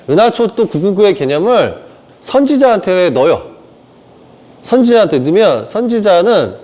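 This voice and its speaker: A man's voice: fairly high pitch, dark tone. A man giving an informal sermon lecture, rambling and mocking, acting out quoted voices. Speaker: preacher.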